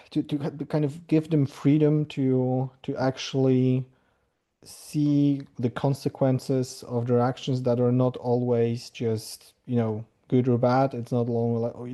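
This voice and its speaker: A man's voice: mid-range voice, mellow. A man on a convention panel, talking hesitantly and searching for his words. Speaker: panelist, scenario writer.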